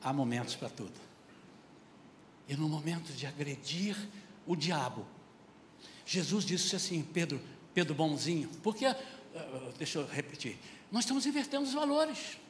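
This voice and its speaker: A male pastor preaching a sermon with fervent, emphatic delivery that rises into shouts. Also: fairly high pitch, very animated, moderate pace, pauses often, long reverb tail, a little hiss or hum. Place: church sanctuary.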